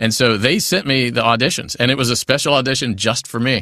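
A man's bright, sharp tone is captured on a very clean recording with a silent background. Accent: American. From Louisiana, US South. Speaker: voice actor. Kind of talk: casual interview chat.

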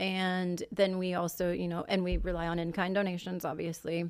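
In an American accent, a woman speaks at a moderate pace and fairly low pitch with monotone, flat intonation on a very clean recording with a silent background. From US Midwest, Omaha, Nebraska. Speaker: nonprofit CEO. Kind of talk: interview.

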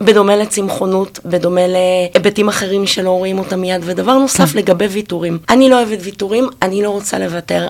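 A woman talks at a fairly quick pace at medium pitch, with hardly any pauses. Her intonation stays fairly even over noticeable background noise. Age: 40s. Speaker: high school history teacher. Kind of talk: panel interview. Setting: studio.

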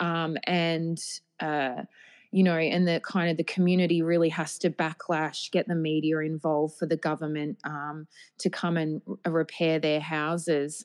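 With an Australian accent, a woman talks fairly slowly in a fairly low, monotone, flat voice, the recording very clean with a silent background and a dry, close sound with no echo. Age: 30s. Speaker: independent election candidate. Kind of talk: interview.

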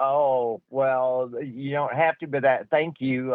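At a fairly slow pace, a man speaks at medium pitch in a dry, close sound with no echo.

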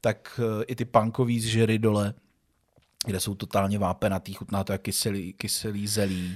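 Speaking in a flat monotone at a moderate pace, a man with a fairly low pitch is heard on a very clean recording against a silent background. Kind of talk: casual chat. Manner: stutters.

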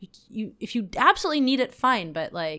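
With a Canadian accent, a woman speaks in a raised, projected voice at a fairly quick pace. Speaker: podcast host and comedy writer. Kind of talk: casual chat. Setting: recording remotely from home.

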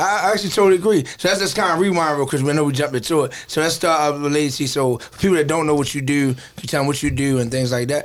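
A man talks at a very fast pace with hardly any pauses, at a fairly high pitch. Noticeable background noise runs behind him. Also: ordinary pitch variation. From Baltimore. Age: 30s. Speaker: radio DJ and host. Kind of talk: casual radio chat. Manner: animated.

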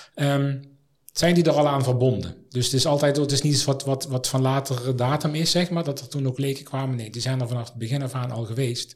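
Somewhat breathy, a man talks at a medium pitch and a fairly quick pace with fairly even intonation. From South Limburg, Netherlands. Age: 40s. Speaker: spiritual care worker. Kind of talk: interview conversation.

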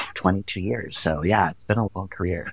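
A man speaks in a very deep, low voice with a Californian accent. The recording is very clean, with a silent background. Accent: Californian American. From Los Angeles, San Gabriel Valley. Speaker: youth soccer coach and supporters group president. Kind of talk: casual chat. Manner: animated.

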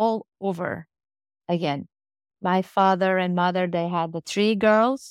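A woman's very slow speech in a Portuguese accent, with fairly even intonation and a dry, close sound with no echo. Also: very clean recording, silent background. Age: 40s. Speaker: horse trainer. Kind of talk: interview.

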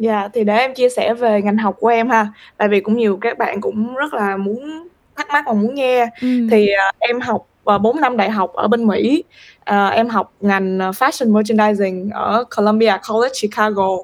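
A moderate-paced woman's voice, a normal speaking voice, with ordinary pitch variation. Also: fairly high pitch for a woman. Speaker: guest. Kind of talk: casual interview chat.

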